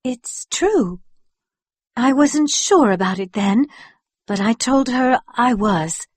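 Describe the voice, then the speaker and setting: A man doing a gentle young wife in a high soft voice. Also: animated, takes it slowly, dry recording, studio quality, exaggerated voice. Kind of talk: audiobook character voice.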